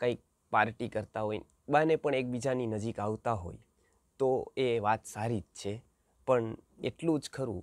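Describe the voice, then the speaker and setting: A man's voice with big swings in loudness, dry and echo-free against a quiet background. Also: ordinary pitch variation. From Gujarat, India. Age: 30s. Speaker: spiritual teacher. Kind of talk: sermon. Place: home room. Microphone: lapel.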